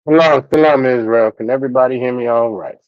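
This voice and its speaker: A man's voice: mid-range voice, fast talker, dry recording, highs cut off. A man teaching an online class, talking loosely with many fillers and restarts.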